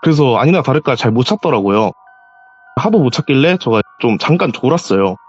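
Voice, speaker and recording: A man calling in to tell his own ghost story, lively and animated, jumping his voice up high whenever he acts out what someone said. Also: a little fast, slightly rough, muffled recording, faint music behind. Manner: animated, acts out quoted voices with sharp pitch jumps. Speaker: caller telling a personal story. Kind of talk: call-in horror storytelling. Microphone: voice call.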